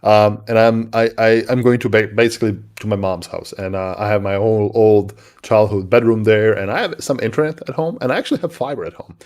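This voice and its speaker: A man from Serbia, a native Serbian speaker, co-hosting a casual tech chat on a live stream in a halting way, often repeating his words. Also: lowish voice, darkish tone.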